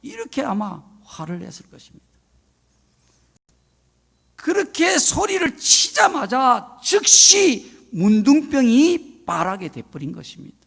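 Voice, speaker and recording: A man's voice: very high-pitched, wildly swooping pitch, a little slow, vocal fry, fairly bright tone, breathy edge. An older man, a retired senior pastor, preaching a solemn, emphatic sermon of warning.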